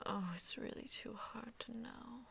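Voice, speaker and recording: A woman voicing a seductive, haughty vampire mistress in a slow, teasing, breathy whisper for an ASMR roleplay, close to the mic. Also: fairly high pitch, fairly even intonation, a bit bright, exaggerated voice. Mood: musing, possessive. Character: seductive, haughty, hungry female vampire mistress toying with prey. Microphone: close microphone.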